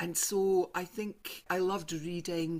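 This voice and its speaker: This woman speaks with a northeast Scottish accent. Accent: northeast Scottish (Doric). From northeast Scotland. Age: 60s. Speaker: storyteller. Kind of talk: interview.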